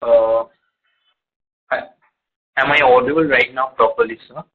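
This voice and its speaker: A man, heard over a phone line, asking an analyst's question on a conference call, halting and full of fillers. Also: mid-range voice, fairly even intonation, slightly rough. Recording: tinny, echoey phone line.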